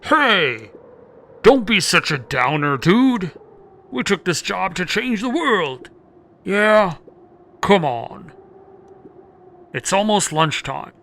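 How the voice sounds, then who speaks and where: A man's voice: high-pitched, big pitch swings, slow pace, creaky, long pauses, fairly bright tone, heavily acted. A man voicing laid-back working guys bantering in a mystery game, reading their dialogue aloud in character. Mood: chummy.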